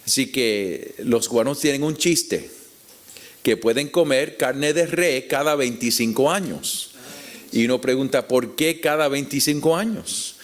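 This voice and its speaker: A man with a Puerto Rican Spanish accent teaching the Bible to an audience in a deliberate, explanatory way with rhetorical questions. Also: medium pitch. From Puerto Rico. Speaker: preacher teaching at a conference.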